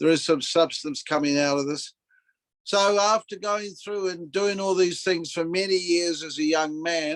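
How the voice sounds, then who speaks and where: In a New Zealand accent, a man talks at a high pitch. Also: fairly slow pace. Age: 60s. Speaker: Maori land claim signatory. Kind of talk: online radio chat.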